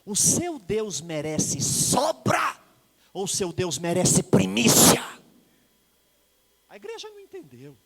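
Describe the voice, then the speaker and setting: A man with a Brazilian Portuguese accent preaching a sermon as pastor, emphatic, moving between hushed and shouted lines and calling on the congregation. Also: high voice, huge pitch swings, slow, creaky, pauses often. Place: church sanctuary. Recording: long reverb of a church hall.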